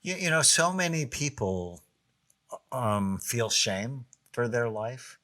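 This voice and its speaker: A middle-aged man co-hosting a podcast, speaking in a measured, thoughtful way. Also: mid-range voice, big pitch swings, sharp tone. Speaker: podcast co-host. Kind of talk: casual conversational podcast.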